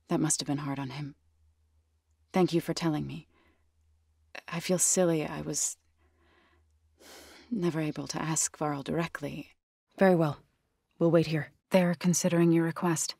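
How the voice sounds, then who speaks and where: An actress playing an earnest, solemn tribal healer in a science-fiction video game, speaking in a measured, grave, formal way. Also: female voice, sits low, gravelly, a little mellow, slightly rough, no room sound, studio quality, full character voice. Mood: gentle, regretful. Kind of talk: scripted video game character dialogue.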